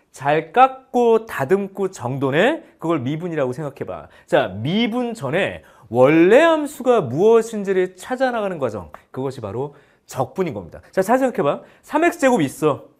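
A man teaching math in an online lecture, animated and playful, mixing polite and casual speech as he addresses his students. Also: on the high side.

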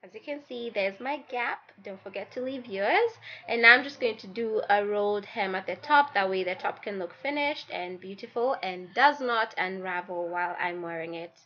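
A young woman with the flu, her voice raspy and hoarse, narrating a sewing tutorial in a chatty, playful way and talking straight to her viewers. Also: mid-range voice, moderate pace, hardly any pauses. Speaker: DIY fashion YouTuber. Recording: slightly dull audio with soft background music.

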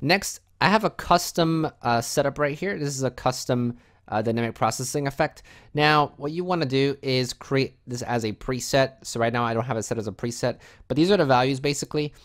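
A man narrating a software tutorial in a casual, explanatory step-by-step way as its host. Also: mid-range voice, a little fast.

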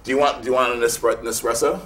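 A man talks in a relaxed, rambling way, full of filler words, at a middling pitch. Behind him a faint room ambience hums. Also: fast, slight background noise. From New York City. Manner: laid-back, rambling, lots of "like". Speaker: artist. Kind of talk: casual conversational interview.

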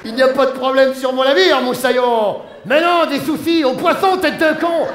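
A blustering old sea captain bellows orders in a coarse, booming manner, as a male comedian puts him on. The voice sits very high and carries across a roomy theatre, with an audience murmur underneath. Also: moderate pace, a crowd in the background. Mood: bellowing. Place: theatre stage before a live audience. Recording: roomy live stage recording with audience noise.

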